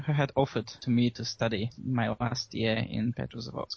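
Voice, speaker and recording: A man speaks at a medium pitch in a Russian accent, with vocal fry and fairly even intonation. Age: 20s. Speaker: writer and podcast co-host. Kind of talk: casual chat.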